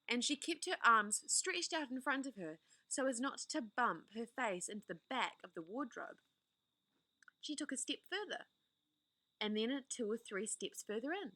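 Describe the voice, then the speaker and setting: A woman reading a children's novel aloud, expressive, with the odd small slip. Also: fairly high pitch, dry recording. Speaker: storybook reader.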